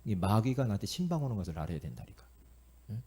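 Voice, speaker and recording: A middle-aged man from Korea preaching a sermon as pastor, telling stories in an animated way, acting out voices and calling out to the congregation. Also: lowish voice, quick pace, breathy edge. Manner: animated storytelling, acting out inner voices and quotes; repetitive, calls out to the congregation.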